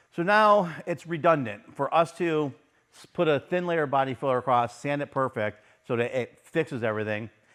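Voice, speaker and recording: Against a quiet background, a man speaks at medium pitch. His intonation is lively. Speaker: auto body shop owner. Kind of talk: tutorial. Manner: fast; casual, conversational.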